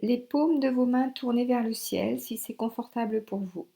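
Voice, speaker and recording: Female meditation guide, fairly high register, warm relaxed timbre, short spaced-out instructions. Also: normal speed, creaky. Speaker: yoga nidra instructor.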